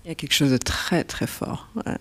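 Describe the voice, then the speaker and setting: A woman from Burundi with a Burundian French accent, whose first language is Kirundi, speaking as a poet in a reflective interview, pausing often with fillers and restarts. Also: a bit bright, slight background noise. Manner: hesitant, many fillers and restarts. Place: stage at a poetry house.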